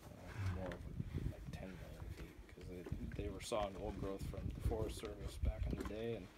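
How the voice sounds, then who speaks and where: A man's voice: low voice, fairly even intonation, moderate pace, heavy background noise. A man answering questions about a sawmill outdoors in brief, matter-of-fact terms. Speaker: sawmill operator. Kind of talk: casual explanation.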